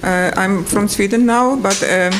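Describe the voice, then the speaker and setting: A woman with a Russian accent asking a halting question at a conference, pausing often with filler sounds. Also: medium pitch, noisy background. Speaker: audience member asking a question. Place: conference room.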